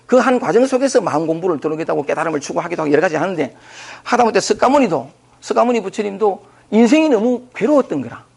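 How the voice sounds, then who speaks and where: A man gives an informal spiritual talk in a rather high voice. His tone is gravelly and husky. He rambles conversationally, circling back with fillers as he explains. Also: a little mellow. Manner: conversational, loose and repetitive, thinking aloud with many fillers. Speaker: spiritual teacher lecturing on scripture. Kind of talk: informal dharma talk to a group.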